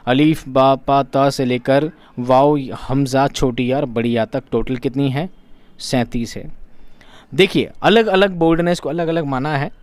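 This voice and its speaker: A man's voice: mid-range voice, steady tone, measured pace, a little mellow, slight background noise. A man teaching an exam-prep lesson, asking questions and answering them himself, repeating key terms for emphasis.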